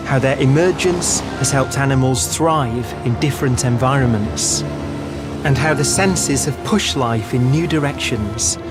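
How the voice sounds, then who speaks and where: A man presenting a nature documentary in a measured, marvelling way, explaining the natural world with wonder. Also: mid-range voice. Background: prominent background music.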